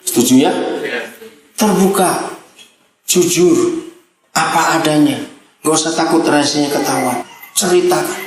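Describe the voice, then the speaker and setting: A male pastor delivers a sermon in a blunt, animated way, with his pitch leaping up and down as he fires rhetorical questions at the congregation. His voice rings out in a heavily echoing hall, like a large church. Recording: very echoey hall.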